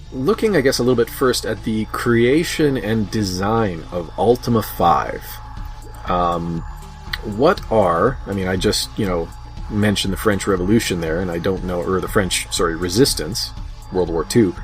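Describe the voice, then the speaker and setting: A man hosting a casual panel discussion, talking in a rambling, think-aloud way. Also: deep voice. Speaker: podcast host.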